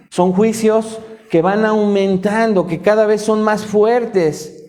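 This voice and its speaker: Amid audible room echo, a man with a dark, mellow tone speaks at a very slow pace. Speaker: pastor. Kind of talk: sermon. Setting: church.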